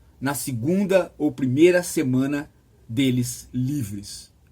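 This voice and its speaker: Very slowly and somewhat breathily, a man talks at a fairly high pitch with lively intonation. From interior of São Paulo state, Brazil. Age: 60s. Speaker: philosophy professor and political commentator. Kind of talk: political commentary monologue. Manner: animated.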